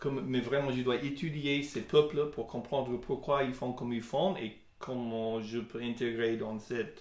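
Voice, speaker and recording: Someone with an American accent speaks at a fairly slow pace. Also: man. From United States. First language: English (speaking French). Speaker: worship leader. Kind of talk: podcast conversation. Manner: halting.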